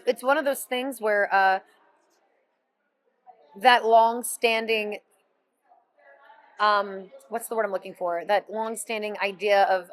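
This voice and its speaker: Enthusiastic rambling woman, voice actress. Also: medium pitch. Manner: rambling, enthusiastic, many restarts. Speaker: voice actress guest. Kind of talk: interview chat.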